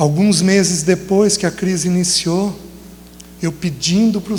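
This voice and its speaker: Moderately paced male speech in audible room echo, plus noticeable background noise. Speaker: preacher. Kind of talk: sermon. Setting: women's retreat, audience.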